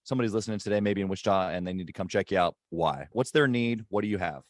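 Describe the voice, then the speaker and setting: Male podcast host, deep and low, punchy delivery kept hushed, very dry sound. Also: racing, no room sound. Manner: emphatic, hyped-up, kept quiet in a public spot. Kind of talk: casual interview chat. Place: airport.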